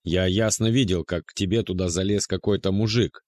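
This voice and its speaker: A man voicing a jealous, hoarse middle-aged man shouting demands in the night in a storybook reading. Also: sits low, steady tone, brisk, no room sound, natural voice. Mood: demanding. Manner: loud, demanding, accusing.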